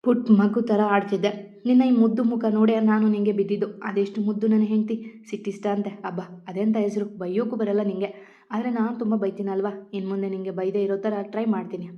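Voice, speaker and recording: A woman's voice: mid-range voice, steady tone, brisk, lightly acted. A woman voicing a playful, doting young husband in a storybook reading, speaking in an affectionate, teasing way. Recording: dull lo-fi recording.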